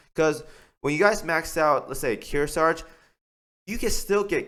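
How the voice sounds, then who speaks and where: Vocal fry marks a man's voice as he speaks at a fairly quick pace. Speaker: gaming YouTuber. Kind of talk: gameplay tutorial. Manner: fast; casual, filler-heavy.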